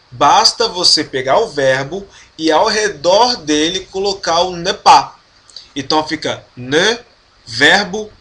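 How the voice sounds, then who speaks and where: A man teaching a French grammar lesson in Portuguese, explaining slowly and patiently, often checking that the viewer follows. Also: on the high side, bright, forceful tone. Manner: slow, patient explaining with frequent check-ins. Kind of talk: online language lesson.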